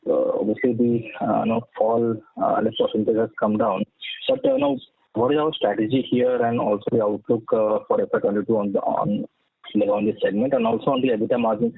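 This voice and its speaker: A man's voice: fairly low pitch, gravelly, husky, no echo. A man with an Indian accent asking questions as an analyst on an earnings call, hesitant and rambling. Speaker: financial analyst caller. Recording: tinny phone line.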